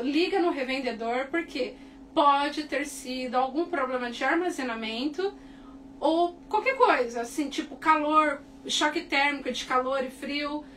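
A Brazilian woman teaching cake decorating in a chatty, animated tutorial, often tagging her sentences with quick checks to the viewers. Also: high voice. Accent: Brazilian Portuguese. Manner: chatty, animated, repeats tag questions like "tá?" and "né?". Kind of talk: casual tutorial talk to viewers. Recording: distant mic with faint background noise.

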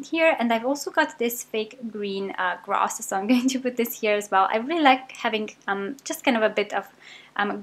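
Chatty young British woman, fairly high voice. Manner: chatty, upbeat, many ums. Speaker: cleaning vlogger. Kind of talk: casual voice-over narration.

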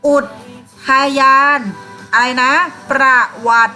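A woman's voice: very slow, pushed and bright, faint music behind. A woman teacher leading a primary school class through workbook exercises, calling on pupils by name and praising their answers. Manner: encouraging, calls on pupils by name, frequent polite particles.

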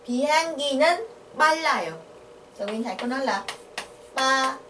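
A woman's voice: high-pitched, animated, very fast, fairly bright tone, faint music behind. A woman with a Vietnamese accent teaching Korean grammar, patiently repeating syllables and asking her students questions. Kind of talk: explaining grammar. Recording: echoey, from a distance, faint noise.

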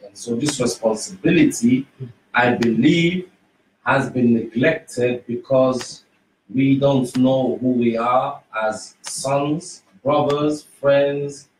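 A man answering as a radio interview guest in an earnest, deliberate way, often in short listed phrases. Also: mid-range voice. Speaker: studio guest, community ambassador. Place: small radio studio. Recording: roomy, distant, noisy studio pickup.

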